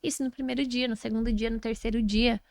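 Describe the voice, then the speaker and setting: A woman's voice: fairly high pitch, quick pace, vocal fry, dry recording, clean studio sound. A woman with a Brazilian Portuguese accent, a guest telling a story in a casual interview and acting out what people said. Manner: animated, acts out quoted speech.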